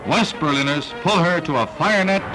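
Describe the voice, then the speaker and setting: A man gives an old newsreel narration in a slightly raised voice, delivered with emphatic, dramatic weight. Loud newsreel music plays right under him throughout the voice-over. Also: a little high, moderate pace, poor audio.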